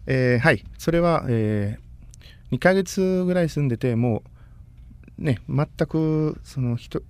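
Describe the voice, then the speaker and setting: A man in his thirties from Costa Rica, whose first language is Spanish, answers interview questions in a polite, measured way. His voice has a soft, mellow tone, and he often stops to search for the right word. The sound is close and dry, with no room echo. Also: mid-range voice, lively intonation, clean tone. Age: 30s. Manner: polite, measured, pausing often to find words. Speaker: guest. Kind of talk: casual interview.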